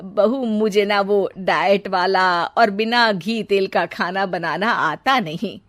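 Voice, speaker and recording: A woman voicing an older, indulgent mother-in-law in a cartoon story, soothing and gentle. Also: medium pitch, takes it slowly, no room sound.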